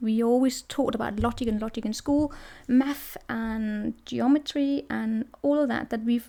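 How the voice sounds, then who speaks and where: A woman's high-pitched voice with a dark, mellow tone and a Danish accent, on a very clean recording with a silent background. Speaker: tarot reader. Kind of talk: tarot reading monologue. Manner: halting, many restarts and fillers.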